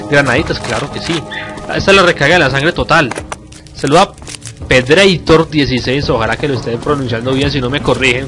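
A young man with a Colombian accent giving excitable let's-play commentary at his computer, yelping and swearing at scares. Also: on the high side. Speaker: gamer. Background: game music.

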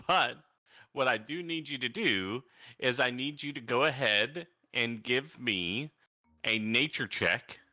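A man's voice: mid-range voice, expressive, slow, bright, forceful tone. A man improvising narration as the game master of a tabletop roleplaying game.

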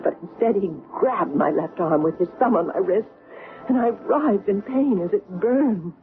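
An actress playing an earnest, haunted middle-aged woman in a vintage radio drama, recalling strange things in hesitant, deliberate, broken phrases. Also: deep voice. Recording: noisy, tinny old radio recording.

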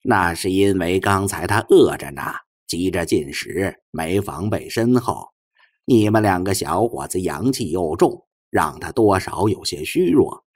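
A man voicing a gruff, know-it-all talking black cat in an audiobook, grumbling as it explains. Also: low voice, darkish tone, no room sound, studio quality, voice pushed down.

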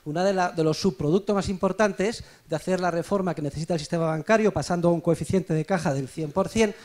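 A man with a high-pitched voice gives an explanation at a conference. He is emphatic and didactic, like an economist making his case. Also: quick pace, darkish tone. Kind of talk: explanatory speech at a conference debate.

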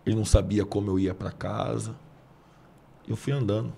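A man, a preacher earnestly telling a personal testimony on a podcast, going soft and low when moved. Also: little pitch movement, moderate pace, creaky, slight background noise.

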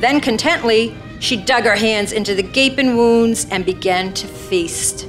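A woman's voice: fairly high pitch, unhurried, a bit bright, faint music behind. A woman reading scripted radio play narration on stage in a dramatic storytelling manner. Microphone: stand microphone.

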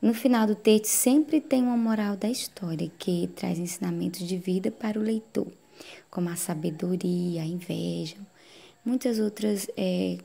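Gravelly-voiced woman teacher explaining. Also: mid-range voice, dark tone. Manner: explaining slowly with frequent "né?" tag questions. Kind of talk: recorded lesson for adult students.

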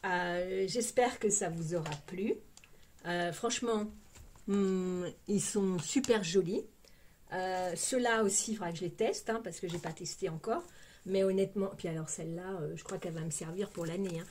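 A woman's voice: lowish voice, moderate pace, darkish tone, slight background noise. A woman with a Parisian French accent chatting casually through a makeup unboxing, exclamatory and full of little fillers. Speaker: beauty vlogger.

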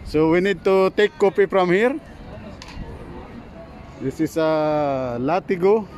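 A middle-aged man casually vlogging outdoors through a face mask, in halting, repetitive simple phrases. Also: high voice, a little mellow. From Philippines. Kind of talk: casual selfie vlog narration. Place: outdoors at a food truck park. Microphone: phone at arm's length. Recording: clear outdoor street and traffic noise.

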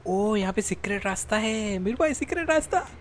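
A man streaming a multiplayer game, laughing a lot, yelling for help and coaching his friends. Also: high voice, lively intonation, a little fast, slight background noise. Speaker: gaming streamer. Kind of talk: excited multiplayer gameplay commentary.

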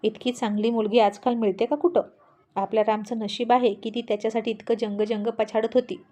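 A middle-aged mother-in-law in a storybook, fond and wise, reassuring her husband about the young couple, as a woman narrator puts her on. She speaks in a fairly high, confident voice. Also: flat delivery, a little fast, dark tone, close to an everyday voice.

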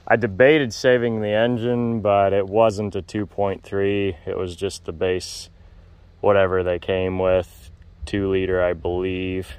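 A man calmly narrating a casual walk-around tour of a wooded car lot outdoors, in matter-of-fact, unhurried remarks. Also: deep voice, clean tone, dry recording. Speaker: vlogger touring a car lot.

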